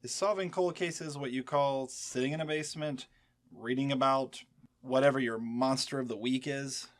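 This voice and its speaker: A man's voice: medium pitch, steady tone, normal speed, lightly acted. A man playing a weary, stern but protective senior agent in an audio drama, speaking in a cautioning way.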